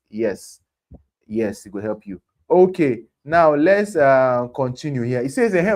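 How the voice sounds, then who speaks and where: A man's voice: mid-range voice, darkish tone. Man, Nigerian accent, Nigerian Pidgin and English mix, live stream host, conversational explainer, emphatic, repetitive phrasing. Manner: emphatic, repeats phrases, tag questions. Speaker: host of a live online health talk.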